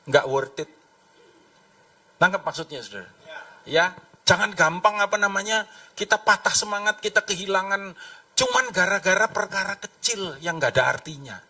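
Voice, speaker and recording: Lively pastor preaching from afar. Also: male voice, high voice, moderate pace, long pauses, recorded from a distance. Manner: lively, conversational, acts out voices in his stories. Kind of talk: sermon.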